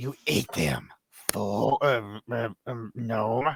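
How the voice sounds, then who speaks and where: Putting on a character voice, a man growls in a raspy tone at a medium pitch and a very slow pace. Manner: snarling, growling.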